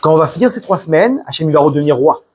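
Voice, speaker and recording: A man's voice: on the high side, expressive, racing, a little mellow, husky. A man from France with a French accent, giving an informal sermon full of stories, restarts and Hebrew religious terms. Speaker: preacher.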